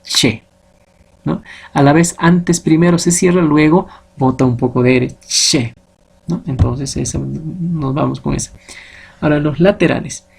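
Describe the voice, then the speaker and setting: Guy teaching a class, gravelly husky voice, keeps checking in with students. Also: a little high, normal speed, a little mellow. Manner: explanatory, addresses students directly, many tag questions. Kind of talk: recorded phonetics lesson.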